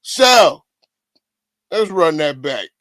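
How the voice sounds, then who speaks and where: Slow, high-voiced ranting man. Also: fairly bright tone, dry recording, low-quality recording. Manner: incredulous, profane ranting. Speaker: commentator. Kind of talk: reaction commentary.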